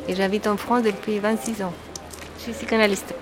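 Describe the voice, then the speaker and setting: A woman from Chile with a strong Chilean Spanish accent, a native Spanish speaker, answering interview questions in French as a psychoanalyst, speaking in a reflective, measured way with frequent hesitations. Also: medium pitch, level tone, a crowd in the background. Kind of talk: documentary interview.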